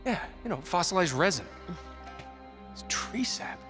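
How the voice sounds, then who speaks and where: A man's voice: high voice, big pitch swings, measured pace, bright, forceful tone, faint music behind, exaggerated voice. An American man playing a rugged, earnest adventurer in his thirties in a video game cutscene. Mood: puzzled, realising. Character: rugged, earnest young male adventurer, urgent and determined.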